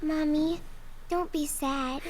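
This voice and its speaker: An earnest little girl in a video game drama, speaks in a high voice at a slow pace. She has an uncanny, knowing innocence, with faint noise behind her. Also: steady tone, darkish tone. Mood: gentle, sad.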